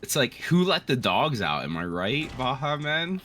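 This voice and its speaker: A man's voice: medium pitch, very animated, moderate pace, sharp tone, slight background noise. A man co-hosting casual gameplay chat, telling rambling, sweary stories. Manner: rambling, profane storytelling. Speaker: gaming co-host.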